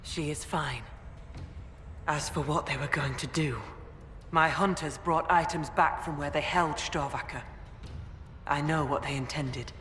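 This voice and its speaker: Bright-voiced, echoing tribal leader. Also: male voice, a little high, steady tone. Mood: solemn, stern. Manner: formal, measured, solemn. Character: grave, proud tribal hold leader in fantasy game. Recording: roomy reverb with faint ambient noise.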